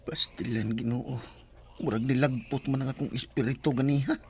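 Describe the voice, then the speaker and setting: Lalaki nga nag-arte og tigulang nga Bisayang magbabaol, maulawon ug daling malibog. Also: male voice, medium pitch, steady tone, moderate pace, crowd noise, close to an everyday voice. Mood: flustered. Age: older. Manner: hesitant, stammering when nervous, rambling. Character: Piping, flustered older village farmer, sheepish and excitable. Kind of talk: Bisaya radio drama comedy acting.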